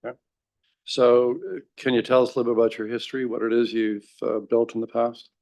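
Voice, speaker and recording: A man's voice: mid-range voice, steady tone, brisk, a little mellow. Man chairing council, direct questions. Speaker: mayor chairing the meeting.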